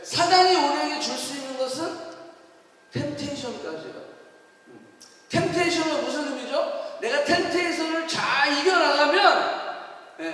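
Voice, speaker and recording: A man's voice: extremely high pitch, fairly bright tone. A male pastor preaching a sermon. He speaks emphatically, asks his listeners frequent rhetorical questions and slips English words into his talk. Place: church sanctuary. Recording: echoey hall, distant mic.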